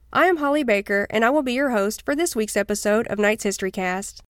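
A woman hosting a history podcast, reading a clear, polite scripted intro and asking interview questions. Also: on the high side, no room sound, clean studio sound. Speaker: podcast host.

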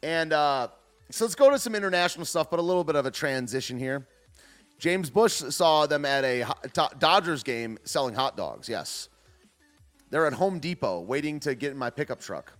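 A man's voice: fairly high pitch, expressive, normal speed, fairly bright tone, soft background music. A man hosting a casual livestream, reacting to clips and chat in a joking, rambling way that often trails off and restarts. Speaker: livestream host. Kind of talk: casual commentary, reading chat.

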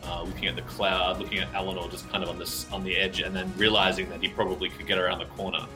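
A man's voice: deep voice, level tone, quick pace. A man chatting casually as a tabletop game player, thinking aloud in a tentative way. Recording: music underneath.

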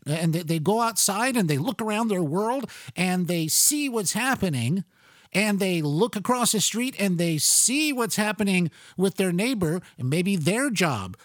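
Male talk show host, sarcastic, animated pitch, dry close studio sound. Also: no room sound. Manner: conversational, sarcastic, frequent fillers and restarts. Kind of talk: political talk show monologue.

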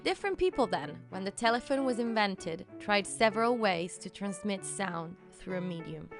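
Speaking at normal speed in an expressive, medium-pitched voice, the woman hosting this podcast narrates a scripted story. She addresses listeners directly and adds personal asides while soft music plays underneath.

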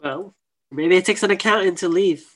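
A woman's voice: lowish voice, moderate pace. A woman, a guest in a conversational interview, telling stories animatedly and acting out the voices of others. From New York. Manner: animated storytelling, acts out quoted voices.

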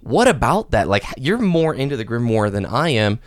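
A man's voice: mid-range voice, very animated, moderate pace, dry recording, studio quality. A man hosting a casual gaming podcast, chatting with his co-host and reading listener posts aloud.

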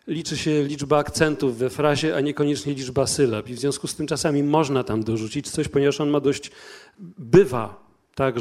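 Man, panel translator, mid pitch, thoughtful, restarts and fillers, live talk. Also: darkish tone. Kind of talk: panel discussion answer.

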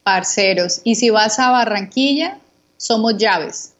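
A Colombian woman, a guest teacher, calmly contrasting words and giving examples for Spanish learners. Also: on the high side, takes it slowly. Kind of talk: slow didactic conversation for learners.

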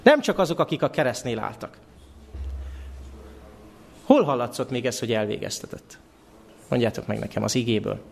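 Man preaching an animated sermon. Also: medium pitch, gravelly, long pauses, slight background noise. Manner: animated, asks the congregation questions. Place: church.

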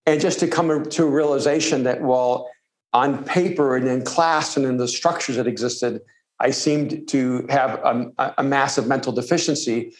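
A man from El Salvador whose first language is Spanish, a pastor speaking as a podcast guest, reflective and halting, with many restarts. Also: medium pitch, steady tone, reverberant, poor audio. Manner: reflective, with frequent hesitations and restarts. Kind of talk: conversational interview.

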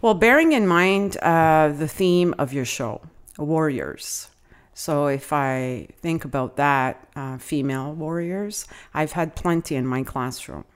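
A middle-aged woman, an adult educator, answering interview questions in a reflective, measured way with frequent fillers. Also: deep voice, clean tone. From Canada. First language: Italian.

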